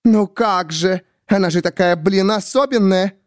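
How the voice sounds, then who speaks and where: A hysterical, volatile young woman, as a male narrator puts her on, her voice pushed far above his own into shrill, frantic cries. She lurches from screaming fury to deluded, bitter insistence. The sound is dry and close, with no room around it. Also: normal speed, mellow, dry recording, natural voice. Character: unhinged jealous young woman with a gun.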